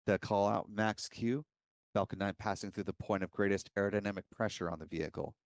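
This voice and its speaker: A man's voice: lowish voice, fairly even intonation, fairly quick, no room sound. A man giving live, explanatory commentary as host of a launch webcast.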